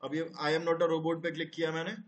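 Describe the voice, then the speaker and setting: ऊँची आवाज़ वाला हिंदी शिक्षक, online class. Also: male voice, on the high side, completely flat delivery, moderate pace, echoey room, highs cut off. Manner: explains step by step, asks the class questions. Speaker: teacher. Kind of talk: live online class.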